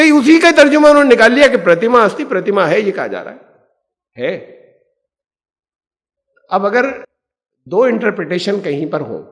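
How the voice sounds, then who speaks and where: High-voiced man lecturing in an echoey hall. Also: fairly bright tone. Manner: explanatory, poses rhetorical questions, mixes English terms. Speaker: Islamic scholar teaching the Quran. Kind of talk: Quran lecture.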